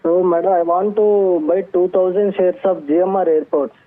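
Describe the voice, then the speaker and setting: A man's voice: sits high, steady tone, normal speed. A man from Hyderabad, calling in on the phone, who politely addresses the host as madam. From Hyderabad, India. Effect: heard over a phone line. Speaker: caller. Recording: tinny phone line from far off.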